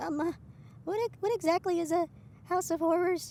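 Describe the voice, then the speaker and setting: A put-on character voice is pitched extremely high and sounds shaky. It moves at a moderate pace over clear background noise. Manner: nervous.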